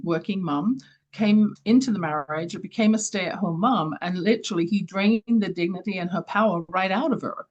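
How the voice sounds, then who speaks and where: A woman's voice: fairly low pitch, highs cut off. An older woman with an English accent, a leadership coach answering interview questions in an earnest, emphatic way. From London, England. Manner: earnest, emphatic, speaks with conviction. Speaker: guest, leadership coach and author.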